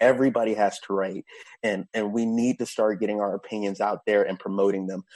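An unremarkable speaking voice from a man with an American accent, medium pitch, a fairly quick pace, and a dry, close sound with no echo. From Florida. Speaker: policy director and gun rights activist. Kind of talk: radio interview, political talk.

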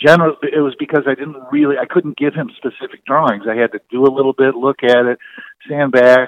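With an American accent, this voice keeps its intonation fairly even. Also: man. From US Midwest. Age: 60s. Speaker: furniture designer. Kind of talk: interview.

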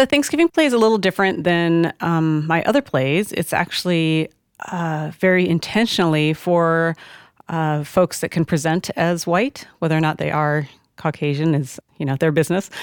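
With an American accent, a woman speaks at a moderate pace in a fairly low pitch with ordinary pitch variation. Hers is an unremarkable speaking voice, heard in a very clean recording with a silent background. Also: dry, close sound with no echo. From US, Lakota Nation. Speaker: playwright. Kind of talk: panel discussion.

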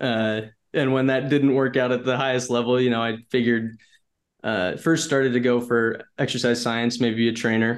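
A man with a plain, everyday voice speaks at medium pitch and a moderate pace, with fairly even intonation over a quiet background. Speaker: club copywriter. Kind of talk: casual interview.

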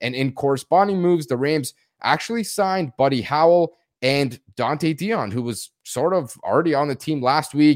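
In an Ontario accent, a man speaks at a fairly high pitch, with a dry, close sound with no echo, on a very clean recording with a silent background. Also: ordinary pitch variation, moderate pace. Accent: Canadian (Ontario). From Canada, near Toronto. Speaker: sports podcast host and fantasy analyst. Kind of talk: solo sports analysis podcast. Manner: casual, conversational.

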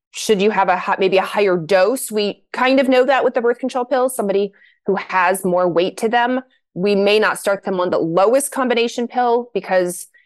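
A woman with a plain, everyday voice speaks at a moderate pace in a dry, close sound with no echo. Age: 40s. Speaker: naturopathic doctor. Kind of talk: interview conversation.

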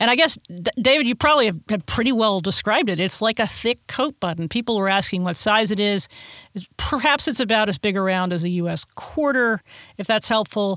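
A woman speaks at a fairly quick pace in a fairly high pitch, with a plain, everyday voice. The recording is very clean and dry, close-miked with a silent background and no echo. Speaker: podcast host. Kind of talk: casual chat.

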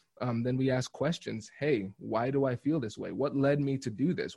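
This man's voice is somewhat breathy, with a medium pitch and ordinary pitch variation. The background is quiet. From small-town Ohio, Caribbean immigrant household. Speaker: podcast host, lawyer and negotiation trainer. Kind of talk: live virtual town hall presentation and Q&A. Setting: video call / virtual town hall.

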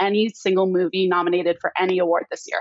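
A woman with an American accent talks at a fairly quick pace in an unremarkable speaking voice, her pitch medium. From New York. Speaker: trivia contestant, machine learning engineer. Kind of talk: casual game chat.

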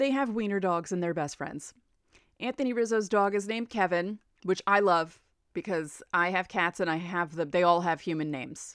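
A woman speaks with an American accent at a moderate pace. Her pitch sits in the middle range and varies in an ordinary way. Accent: New York, comes out on some words. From New York City area. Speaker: baseball podcast host. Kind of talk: casual solo podcast; game recap.

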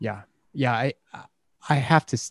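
Vocal fry comes through in a very clean recording with a silent background and a dry, close sound with no echo. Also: man. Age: 30s. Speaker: medical doctor. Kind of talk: interview conversation. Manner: halting, with fillers.

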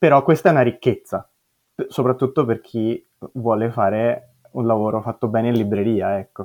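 At a moderate pace, a man speaks with a medium pitch and ordinary pitch variation. His speech has long, frequent pauses. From Rome, Italy. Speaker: bookseller. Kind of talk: interview.

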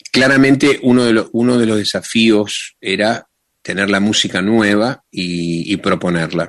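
A man in a plain, everyday voice, fairly low in pitch, at a fairly slow pace with ordinary pitch variation. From Argentina. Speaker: DJ and music producer. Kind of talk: casual interview.

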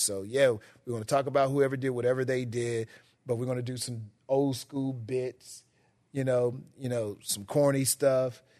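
A man with an American accent and an ordinary speaking voice, medium in pitch, at a moderate pace with fairly even intonation. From North Carolina. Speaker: radio DJ and rapper. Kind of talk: casual interview.

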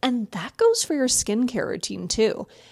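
In a very clean recording with a silent background, a woman speaks with a dark, mellow tone that is somewhat breathy. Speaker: parenting podcast host. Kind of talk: casual chat.

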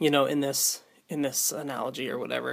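This man's voice sits fairly high and stays monotone and flat, moving along at a moderate pace. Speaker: podcast listener. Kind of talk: recorded voice message. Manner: halting.

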